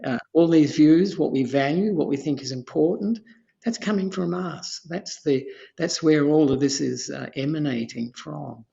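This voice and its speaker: A gravelly-voiced man in his seventies, an Australian monk, talks through his ideas in an unhurried, rambling way. He repeats himself for emphasis and laughs softly. The audio sounds dull and lo-fi. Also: a little high. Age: 70s. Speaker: Buddhist monk, podcast guest. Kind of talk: unhurried teaching talk.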